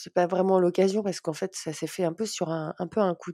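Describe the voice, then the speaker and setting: A dark, mellow tone comes through with monotone, flat intonation and a dry, close sound with no echo. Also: woman. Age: 40s. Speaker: second-hand dealer and shop owner. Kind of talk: interview conversation. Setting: remote call.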